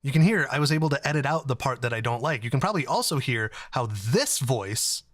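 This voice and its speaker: A man in his thirties hosting a casual software tutorial, explaining things in a conversational way. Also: mid-range voice, expressive, fairly quick, no echo, studio quality. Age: 30s. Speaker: tutorial host.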